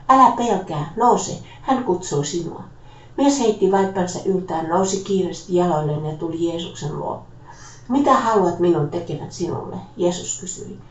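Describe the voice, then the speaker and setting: Woman reading scripture in an echoey room. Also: lowish voice. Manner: steady, measured reading with occasional slips and self-corrections. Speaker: scripture reader. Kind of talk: Bible reading aloud. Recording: echoey, dull lo-fi room sound.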